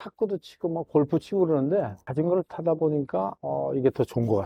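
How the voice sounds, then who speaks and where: With very wide pitch swings, a man talks fairly quickly at a fairly high pitch. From Korean living in Toronto, Canada. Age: 70s. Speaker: trader and recreational cyclist. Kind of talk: interview answer about their bike.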